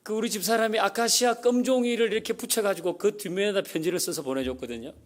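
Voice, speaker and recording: A middle-aged male pastor preaches a folksy sermon on reading the Bible, speaking fast in a voice that sits high. He asks the congregation questions as he teaches.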